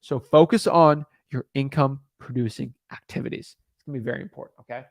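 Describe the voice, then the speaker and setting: A man's voice: mid-range voice, brisk, vocal fry, dry recording, studio quality. A young man giving rambling, repetitive real estate advice, full of fillers and restarts. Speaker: real estate wholesaling coach. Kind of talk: casual talking-head advice.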